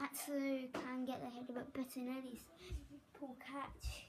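Over noticeable background noise, a woman speaks fairly slowly in a high pitch. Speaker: video game YouTuber. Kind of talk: casual gaming commentary. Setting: gameplay recording voiceover. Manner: rambling, halting, filler-heavy. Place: home room. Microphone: phone near.

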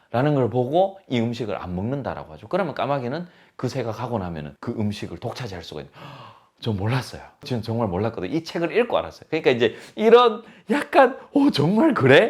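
A man talks in an animated tone at a fairly quick pace, with medium pitch, very wide pitch swings and vocal fry. Loudness swings widely, and the recording is very clean with a silent background. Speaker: children's book reviewer. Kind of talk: book review tutorial.

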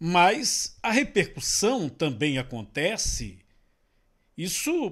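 A man with a high pitch speaks in an animated tone on a very clean recording with a silent background. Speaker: online news commentator. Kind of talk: opinion commentary.

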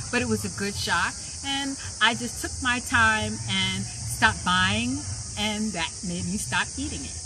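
The speech moves at a fairly slow pace beneath noticeable background noise. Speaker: interviewee, guest. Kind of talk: interview answer. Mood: relaxed, animated storytelling. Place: garden. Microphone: phone near.

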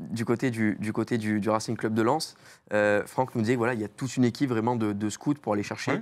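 A man's fairly quick speech with fairly even intonation. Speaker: football show host. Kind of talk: casual interview. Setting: football training ground. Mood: relaxed, engaged. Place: studio. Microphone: lapel.

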